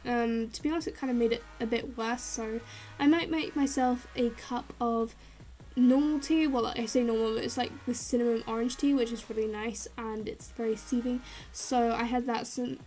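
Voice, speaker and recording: A woman's voice: on the high side, fairly even intonation, normal speed, mellow. A young woman with a blocked, nasal nose, chatting loosely through a game-building voiceover with many fillers. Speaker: game building channel host. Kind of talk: casual voiceover over a speed build.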